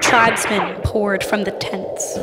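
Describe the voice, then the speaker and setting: A woman's voice: medium pitch, steady tone, slow pace, loud music behind the voice, close to an everyday voice. A young woman acting as the narrator of an adventure radio play, reading scripted third-person storytelling. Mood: narrating.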